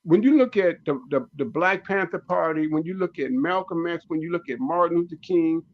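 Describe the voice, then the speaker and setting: An older man in his sixties talks forcefully and repeats his points as he makes an argument. His voice sits a touch high for a man. The sound is dull and lo-fi. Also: expressive, fairly quick. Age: 60s. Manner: emphatic, preachy, repeats phrases. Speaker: guest comedian and actor. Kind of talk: casual radio talk show discussion.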